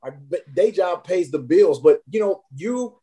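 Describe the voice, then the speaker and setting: A man's voice: sits high, lively intonation, a little slow, noisy background. A man working as a recovery advocate, speaking earnestly and encouragingly as a podcast guest. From Tennessee. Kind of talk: casual podcast conversation.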